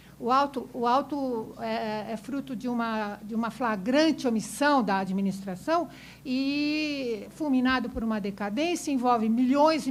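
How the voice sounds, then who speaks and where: At a fairly slow pace, a woman with a fairly high pitch uses an unremarkable speaking voice with ordinary pitch variation. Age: 60s. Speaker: tax lawyer. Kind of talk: panel discussion remarks. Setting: workshop with audience.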